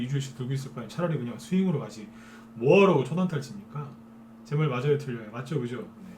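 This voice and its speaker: A man's voice: mid-range voice, a little mellow, slight background noise. A man giving a live stock trading lecture as a broadcaster, persuading viewers and often asking them to agree.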